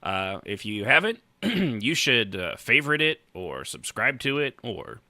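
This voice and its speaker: Male podcast host: rambling, jokey, sharply bright delivery with animated swings, recorded close and dry. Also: medium pitch, a little slow, no echo. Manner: rambling, joking, teasing. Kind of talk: casual chat, hosting a live roleplay podcast.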